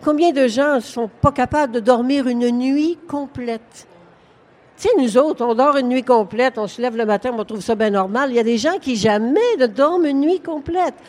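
A woman's voice: high-pitched, normal speed. Québécois woman, frank and laughing. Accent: Québécois French. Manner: frank, laughing, animated storytelling. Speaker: novelist guest. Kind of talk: conversational interview on stage. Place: book fair stage.

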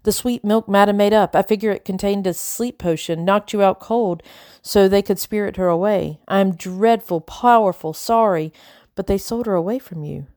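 A woman's voice: mid-range voice, normal speed, a little mellow, dry recording, clean studio sound, pitched above the performer's own voice, natural voice. A woman voicing an anxious, kindly servant woman in a novel, folksy and hesitant. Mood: sorrowful.

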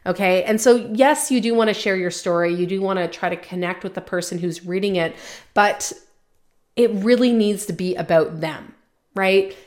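A woman's voice: mid-range voice, normal speed. Woman podcast host, blunt and fired-up, casual coaching monologue with swearing.

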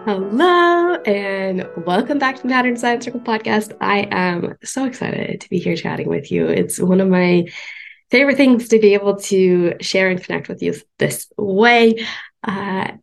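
A woman's voice: medium pitch, moderate pace, creaky, soft background music. A woman hosting her podcast, chatting upbeat with many fillers and restarts, a bit congested and stuffed up. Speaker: podcast host. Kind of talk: solo podcast talk.

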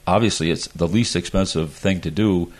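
A man's voice: deep voice, moderate pace. An American man hosting a radio interview in a casual, folksy, conversational way. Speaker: radio show host.

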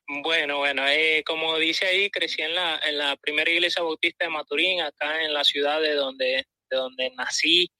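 Bright-voiced man, hesitant. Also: a little high, fairly even intonation, measured pace, rough recording. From Venezuela. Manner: hesitant, many fillers, laughs. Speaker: guest musician. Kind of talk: live interview.

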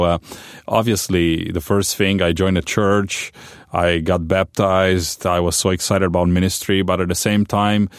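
A young Romanian pastor with a Romanian accent, a native Romanian speaker telling his life story in an interview, loud and lively with frequent restarts. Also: low voice, no echo, clean studio sound. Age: young adult. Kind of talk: personal testimony in a radio interview.

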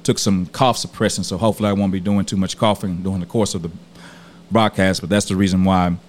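A man hosting a podcast and teaching a verse-by-verse Bible study. His voice sounds hoarse and scratchy, and he speaks in an earnest, emphatic way, repeating his key points. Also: sits low, flat delivery, quick pace.

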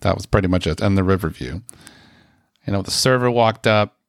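Here a low-voiced American talks fairly quickly with vocal fry, casually spinning a personal yarn that wanders through fillers and side remarks. The sound is dry and clean, like a studio.

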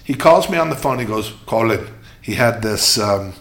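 A man's voice: fairly low pitch, lively intonation, moderate pace, fairly bright tone. A man hosting a casual podcast about jewelry, telling candid stories with emphasis. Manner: chatty storyteller, candid and emphatic. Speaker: jeweler and show host.

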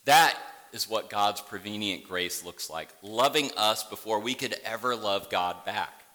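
A middle-aged man with an Upper Midwest accent that has picked up a Southern tinge delivers a sermon in an easy, conversational way. His tone is bright and forward. The sanctuary carries a long, lingering reverb. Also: fairly low pitch, measured pace. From Michigan, Upper Midwest. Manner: gentle, conversational preaching. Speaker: pastor. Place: church sanctuary.

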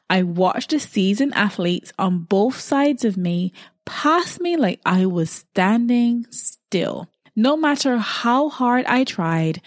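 A woman's voice: medium pitch, dry recording, studio quality. Woman telling a personal story. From Barbados. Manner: storytelling, reflective and conversational. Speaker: podcast host. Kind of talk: solo podcast talk.

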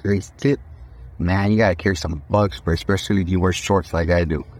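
Deep voiced dude doing a casual tip of the day, laid back, repeats himself. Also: male voice, steady tone, a little fast, darkish tone, a little hiss or hum. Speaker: pool pro giving daily tips. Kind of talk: casual short tip segment.

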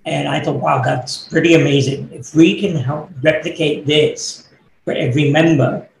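A middle-aged man, born in Kenya and raised in the UK, answering interview questions as a business coach in a thoughtful, measured way with fillers. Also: a little high, fairly even intonation, creaky. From born in Kenya, grew up in the UK. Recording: echoey room, faint background noise.

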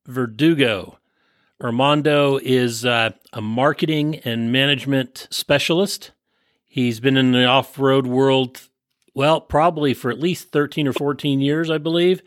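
A man's voice: medium pitch, no room sound, clean studio sound. A man from Northern California hosting an off-road interview podcast, reading his intro and ads, then chatting with his guest. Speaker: podcast host.

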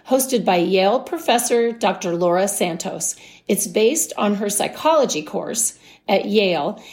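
A woman, a life wellness coach, hosting a podcast in a calm, gently encouraging, measured way. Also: mid-range voice. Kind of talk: scripted podcast monologue.

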